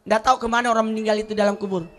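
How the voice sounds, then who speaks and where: Bright-voiced animated male preacher. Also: sits high, very fast. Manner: animated, swings from soft to loud exclamations; humorous storytelling. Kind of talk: sermon at a religious gathering.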